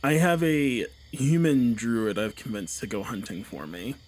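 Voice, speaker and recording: A man's voice: medium pitch, a little slow, darkish tone, lightly acted. A man voicing a scheming black dragon hidden in a swamp ruin, in an offhand, matter-of-fact way.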